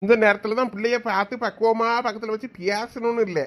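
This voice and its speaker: A man playing a soft-hearted village father who coaxes and defends his daughter. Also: high voice, steady tone, a little fast. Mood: coaxing. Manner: coaxing, pleading. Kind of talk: comedy skit acting.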